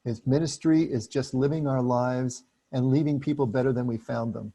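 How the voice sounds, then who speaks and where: A man leading a group book study, explaining passages in a relaxed, chatty way with frequent restarts. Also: medium pitch, normal speed.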